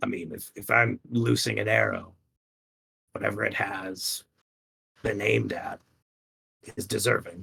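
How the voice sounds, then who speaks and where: Putting on a character voice, a man speaks raspy and fairly low at a moderate pace, with long, frequent pauses. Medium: actual play. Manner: hesitant, casual.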